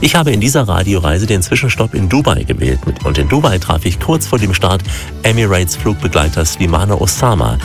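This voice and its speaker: A man hosting a radio travel program, narrating in a measured, polished presenter style and interviewing guests. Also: sits low, big pitch swings. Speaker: radio travel show host. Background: music.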